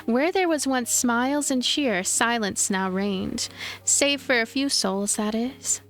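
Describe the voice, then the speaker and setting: A woman's voice: fairly high pitch, takes it slowly, fairly bright tone. A woman narrating a visual novel as a let's play host, reading the story expressively. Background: background music.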